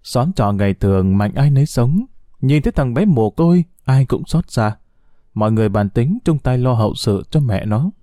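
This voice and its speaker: A man narrates a heartfelt, sorrowful story, his voice moving freely up and down. The tone is dark and mellow. It sounds close and dry. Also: medium pitch, no room sound. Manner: slow, expressive, heartfelt.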